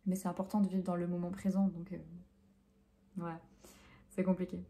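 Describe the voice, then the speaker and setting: Very dark-voiced hesitant Frenchwoman. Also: lowish voice, little pitch movement, moderate pace. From France. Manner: hesitant, many fillers and self-corrections. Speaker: French teacher. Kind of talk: answering interview questions.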